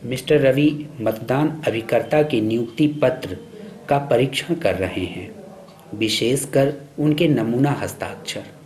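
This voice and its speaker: Over background music, a man reads scripted instructional narration for a training film. His delivery is formal, measured and instructive, with a medium pitch and a somewhat dark tone.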